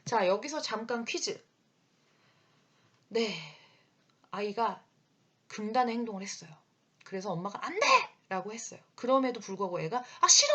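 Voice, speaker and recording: Animated woman instructor in her thirties, slightly husky, explains classroom childcare with vivid asides. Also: mid-range voice. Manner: lively, breaks into quick acted quotes of parents and children. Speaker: early childhood education instructor. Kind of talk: explanatory lecture.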